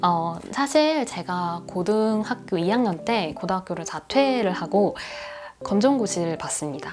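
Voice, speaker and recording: Noticeable background noise sits behind a woman's voice. She speaks at a medium pitch and a very slow pace. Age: 20s. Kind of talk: casual talk to camera. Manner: soft-spoken.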